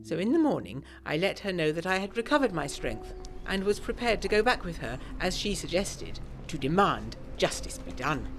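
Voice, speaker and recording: A woman's voice: fairly low pitch, very animated, normal speed, hardly any pauses, background noise. A woman playing an eager, self-pleased 1920s lady narrating a gothic audio drama in genteel, bookish diction. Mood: brisk, confiding.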